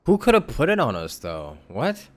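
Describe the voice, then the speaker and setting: A man's voice: medium pitch, wildly swooping pitch, normal speed. A young man giving casual, informal live commentary as he streams a game, reacting aloud.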